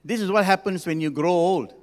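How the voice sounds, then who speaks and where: Sixty-year-old pastor preaching in a reverberant hall. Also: male voice, high voice, fairly quick, a little mellow. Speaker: senior pastor. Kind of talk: sermon to a congregation.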